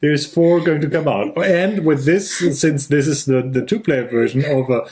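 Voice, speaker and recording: A man's voice: a little high, normal speed, a little mellow. A man with a German accent co-hosting a board game podcast, rambling with dry, mock-serious humor. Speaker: podcast co-host. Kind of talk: casual chat.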